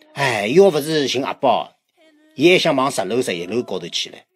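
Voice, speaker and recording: An animated man with vocal fry speaks in a Shanghainese accent. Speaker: audiobook narrator. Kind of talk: dramatic narration of a novel, reading aloud in Shanghainese. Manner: animated, emotionally charged storytelling, tense and quickening at climactic moments; shifts pitch and tone to voice characters, e.g. a shrill coy woman.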